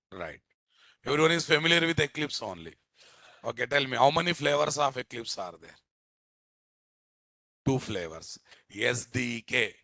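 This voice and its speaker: This software instructor's mid-range voice sounds pushed and bright, recorded dry. He has a Telugu Indian accent and teaches a live programming class emphatically, repeating phrases and frequently quizzing listeners with short tag questions.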